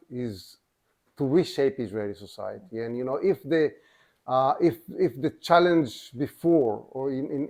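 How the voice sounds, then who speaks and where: A man representing a civil society organization, speaking on a panel in a measured way with frequent restarts. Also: mid-range voice, a little mellow. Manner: measured, restarts sentences, many fillers. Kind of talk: panel discussion.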